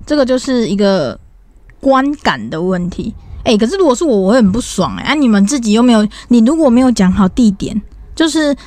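Podcast co-host, young woman, Taiwanese Mandarin accent, a little high-pitched, quick teasing comebacks, dry sound. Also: big pitch swings, darkish tone, dry recording. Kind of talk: casual chat.

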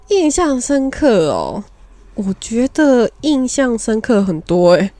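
A young woman with a Taiwanese Mandarin accent, a podcast co-host telling a frank dating story in casual, animated chat. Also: fairly high pitch, slow, no echo.

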